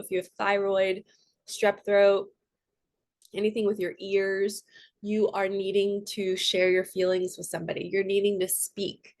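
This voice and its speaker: A woman speaks at a middle pitch, giving a casual, heartfelt spiritual reading to her viewers. She rambles warmly and earnestly from one thought to the next. Her voice comes out a little froggy and nasal. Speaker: spiritual coach and tarot reader.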